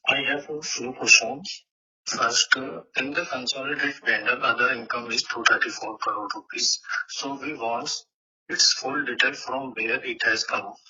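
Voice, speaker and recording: A man's voice: mid-range voice, steady tone, measured pace, sharp tone, breathy edge. A man with an Indian accent, an analyst putting formal questions on an earnings call. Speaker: investor analyst asking questions. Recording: muffled, lo-fi phone conference line.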